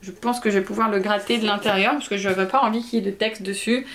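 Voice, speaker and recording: A woman's voice: mid-range voice, steady tone, quick pace, fairly bright tone. A young woman chatting casually in a home video, hesitant, with many fillers. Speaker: vlogger. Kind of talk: casual haul video chat.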